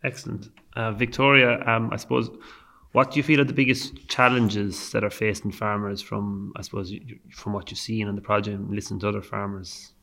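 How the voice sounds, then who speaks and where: A man's voice: lowish voice, flat delivery, a little fast, vocal fry, sharp tone. A man with an Irish accent hosting an informal panel and putting questions to guests. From Ireland. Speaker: panel host.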